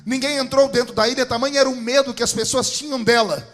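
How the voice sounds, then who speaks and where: High-pitched preacher man, dramatic sermon. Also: fairly even intonation, fast talker. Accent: Brazilian Portuguese. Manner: dramatic storytelling, builds to shouting. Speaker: pastor.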